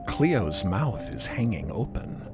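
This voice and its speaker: A man narrating a scripted story in an expressive, theatrical way. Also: lowish voice, takes it slowly, vocal fry, over loud music.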